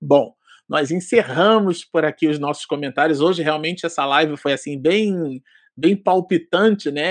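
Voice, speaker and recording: With a normal speaking voice, a man speaks at a moderate pace in a fairly high pitch with ordinary pitch variation, the sound dry and close with no echo against a quiet background. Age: 40s. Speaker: spiritist study leader. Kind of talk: lecture. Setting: livestream.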